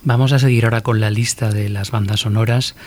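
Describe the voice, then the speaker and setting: Flat, husky-voiced male radio co-host. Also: on the low side, fairly quick. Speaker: radio music show co-host. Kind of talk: casual radio presentation.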